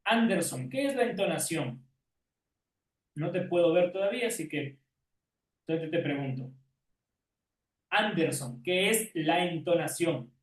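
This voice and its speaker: A man's voice: fairly high pitch, expressive, measured pace, long pauses. A male teacher giving an online class lecture, often checking in with questions and calling on students by name. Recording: roomy echo, distant from mic.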